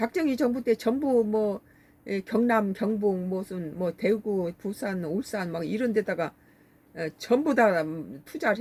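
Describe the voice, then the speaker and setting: Someone with a Jeolla accent speaks at a very slow pace with lively intonation, on a very clean recording with a silent background. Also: woman. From Honam (Jeolla), South Korea. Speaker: political commentator YouTuber. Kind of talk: political commentary monologue. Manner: halting, many fillers.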